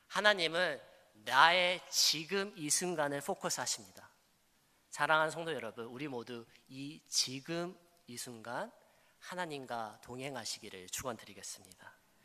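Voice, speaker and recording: Talking at a fairly slow pace, a man uses a fairly high pitch and lively intonation, with big swings in loudness. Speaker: pastor. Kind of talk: sermon.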